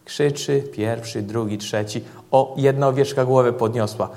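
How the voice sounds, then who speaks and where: A man preaching a sermon to a church congregation, telling vivid stories to illustrate his points in an earnest, measured way. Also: mid-range voice, steady tone, creaky, darkish tone.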